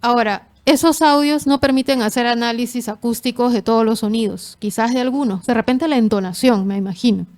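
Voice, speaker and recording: A woman answers interview questions as a forensic linguist. She speaks in a slightly high voice and explains things patiently, working through examples. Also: a little mellow. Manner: measured and explanatory, gives examples.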